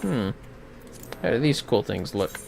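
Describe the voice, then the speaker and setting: A man's voice: mid-range voice, big pitch swings, a little slow, gravelly, a little mellow, soft background music. A man giving casual, foul-mouthed commentary on a gaming livestream, muttering to himself with playfully theatrical outbursts.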